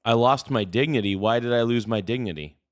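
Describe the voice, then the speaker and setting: Brisk and medium-pitched, the man's voice drives a casual stream where he games and chats with viewers. His style is laid-back, full of "dude" and "brother."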